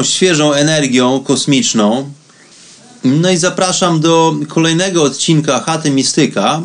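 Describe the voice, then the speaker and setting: Reflective man hosting a spirituality show. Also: fairly high pitch. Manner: conversational, addresses the listener directly. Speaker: host of a spirituality radio show. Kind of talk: reflective solo monologue to listeners.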